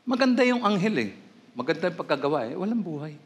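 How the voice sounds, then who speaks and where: Filipino male pastor, fairly high voice, emphatic sermon delivery with rising questions. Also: sing-song, quick pace. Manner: switches between Tagalog and English, rising emphatic questions.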